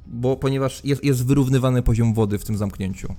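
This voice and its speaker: A man at a middle pitch narrates a tabletop role-playing game as its game master. He talks to the players in the second person and describes the scene, stumbling and restarting here and there as he goes. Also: a little fast, dark tone, soft background music.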